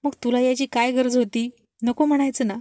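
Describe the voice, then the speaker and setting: A woman voicing a playful, hot-tempered young husband in a storybook reading, scolding and shouting. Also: fairly high pitch, fairly even intonation, fairly quick, dry recording, studio quality, lightly acted. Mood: angry.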